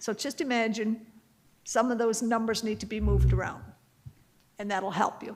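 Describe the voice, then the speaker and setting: Pitched fairly high, a woman's voice moves at a moderate pace. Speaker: city official presenting finances. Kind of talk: council meeting report. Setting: city council meeting.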